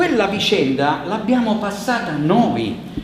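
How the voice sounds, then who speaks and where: Amid noticeable background noise and audible room echo, a man with a Sicilian accent speaks at a very slow pace with lively intonation. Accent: Sicilian Italian. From Sicily. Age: 60s. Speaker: stage actor and director. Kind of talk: post-show talk to theatre audience. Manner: hesitant, with fillers.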